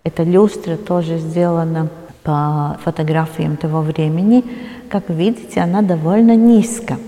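A woman's voice: low-pitched, fairly even intonation, moderate pace, mellow. Woman tour guide in a reverberant hall. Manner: hesitant non-native Russian phrasing. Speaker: museum guide.

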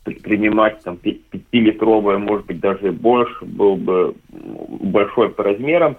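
A man with a fairly low, husky voice comes through a tinny phone line. He explains things haltingly, breaking off and restarting words as he goes. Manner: halting, many fillers and restarts. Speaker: deposit system operator representative. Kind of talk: hesitant explanatory talk on radio.

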